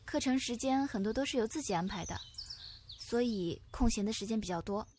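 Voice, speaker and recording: A woman voicing an easygoing, polite young university student in a visual novel, with a gentle, hesitant manner. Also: on the high side, lively intonation, fairly quick, a little hiss or hum, natural voice.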